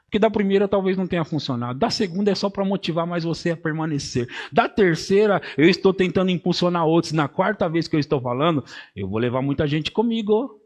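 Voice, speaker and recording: High-voiced Brazilian pastor preaching. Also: male voice. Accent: Brazilian Portuguese. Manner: swings from quiet asides to loud shouted emphasis; playful, mimics voices and laughs with the congregation. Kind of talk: sermon.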